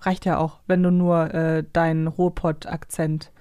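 A woman's voice: deep voice, little pitch movement, a little slow, dark tone, no room sound, studio quality. A woman with a slight northern German accent, chatting as a podcast host and articulating with care. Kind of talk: casual co-hosted chat.

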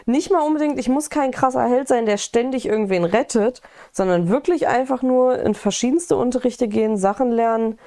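Woman, mellow mid-range voice, loose and eager gaming chat. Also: fairly high pitch, brisk, few pauses. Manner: chatty, enthusiastic, swears casually.

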